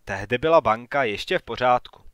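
A man voicing an uneasy, cautious man back in his hometown in an audiobook, speaking haltingly. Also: mid-range voice, expressive, a bit bright, clean tone, no echo, lightly acted. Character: shaken, wary man returning to his hometown.

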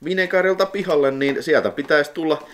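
A man in his forties hosting a casual unboxing vlog, rambling with nostalgia and breaking into excited squealing exclamations. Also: fairly high pitch, a little hiss or hum. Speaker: video collector channel host.

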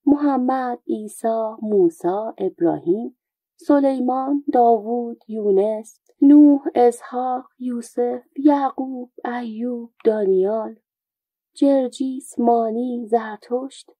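A woman's voice: on the high side, dark tone, no echo, lightly acted, low-quality recording. A woman voicing a sly old male folk joker with a plaintive, mock-innocent manner. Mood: wry.

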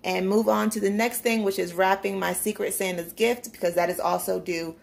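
A young woman in a home kitchen explains a recipe to her viewers step by step in a casual, chatty way. Her mid-range voice carries a strong gravelly fry. She is recorded on a phone camera resting on the counter. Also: medium pitch, fairly even intonation, moderate pace. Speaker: vlogger. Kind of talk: casual cooking vlog explanation.

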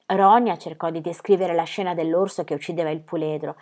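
A woman reading a children's story aloud, measured and expressive, with hushed, sad passages. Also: fairly low pitch. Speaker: narrator.

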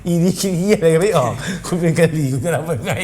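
A man hosting a gossip show, telling stories in crude, loud casual chat, laughing often and mimicking other people. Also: on the high side, fast, slight background noise.

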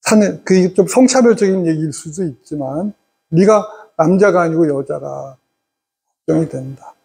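A middle-aged man lecturing parents in an animated way and having the audience repeat phrases after him. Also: fairly high pitch, moderate pace, creaky, breathy edge.

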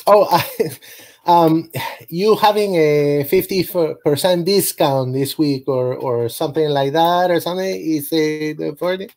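A man's voice: fairly high pitch, measured pace, darkish tone. A man reading a flustered, flamboyant young gay customer with a slight Hispanic accent over a video call.

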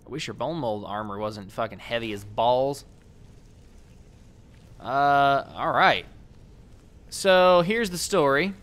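Slow and full of pauses, a man's mid-range, fairly bright voice carries casual gameplay commentary. As a let's play host, he swears, rambles, and answers back at the game and its characters.

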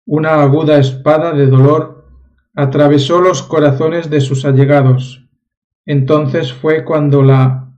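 A man recites devotional passages and prayers with solemn reverence. His voice sits a little high for a man, yet sounds dark and mellow, and he takes his time over every phrase. The recording is a little dull and lo-fi. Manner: solemn, reverent, measured delivery.

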